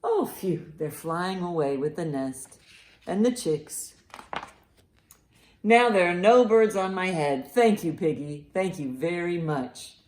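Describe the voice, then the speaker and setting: A woman voicing a fretful, excitable picture-book elephant, exclaiming emphatically. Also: fairly low pitch, slow pace. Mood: relieved. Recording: roomy, echoing sound.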